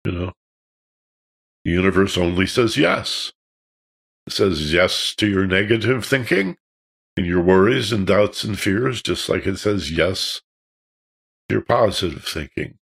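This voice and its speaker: A man with a very low-pitched voice and a husky edge speaks as a teacher to a class. His lecture is informal and conversational, explaining things in plain spoken language. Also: a little slow, long pauses, fairly bright tone. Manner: conversational, illustrates points with acted-out quotes and examples. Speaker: class teacher of meditation and visualization techniques.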